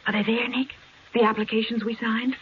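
An actress playing a plucky, anxious young detective's assistant in a 1940s radio crime drama. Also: female voice, on the high side, level tone, a little fast, close to an everyday voice. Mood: eager, curious. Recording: muffled, noisy 1940s radio recording.

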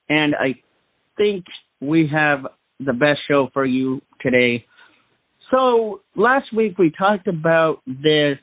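A man's voice: fairly high pitch, dry recording, phone-quality sound. A man hosting a talk show, giving casual radio-style commentary.

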